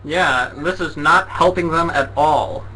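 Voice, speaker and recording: A man co-hosting a casual talk show, explaining things quickly with a wry tone. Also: fairly high pitch, pushed and bright, low-quality recording. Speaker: co-host.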